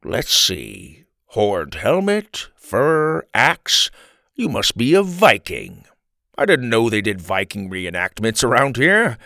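Guy doing a genial grandpa, slow and measured, explaining stuff in a kids' story. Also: fairly low pitch, huge pitch swings, creaky, bright, forceful tone, no echo, clean studio sound, heavily acted. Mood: nervous, curious. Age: older.

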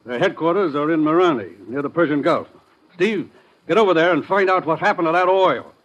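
Dull vintage radio sound carries an authoritative government commissioner. His voice sits a little high, and he hands out orders briskly in radio-drama style. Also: a bit bright. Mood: brisk, commanding. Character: brisk authoritative male government commissioner sending agent on mission. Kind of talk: 1950s radio drama acting. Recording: dull old radio recording.

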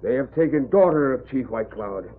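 An actor playing a stern, proud old Native American chief who speaks solemn, halting broken English in an old-time radio drama. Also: male voice, medium pitch, expressive, narrow, tinny audio, close to an everyday voice. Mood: grim, vengeful. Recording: noisy, band-limited vintage radio recording.

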